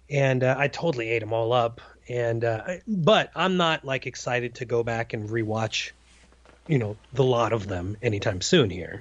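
A man speaks in an unremarkable speaking voice. His pace is moderate and his pitch variation ordinary. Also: medium pitch for a man. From US Midwest. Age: 40s. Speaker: podcast host and film columnist. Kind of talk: casual chat.

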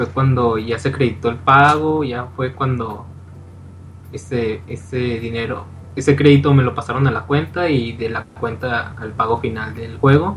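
With a normal speaking voice, a man talks at a medium pitch and a fairly slow pace with ordinary pitch variation. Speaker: podcast co-host. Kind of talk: casual chat.

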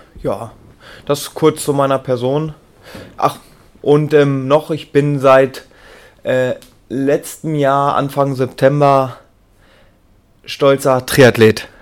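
The speech moves at a very slow pace with long, frequent pauses and a monotone, flat intonation. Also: man, fairly high pitch for a man. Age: 30s. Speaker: triathlete. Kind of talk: interview.

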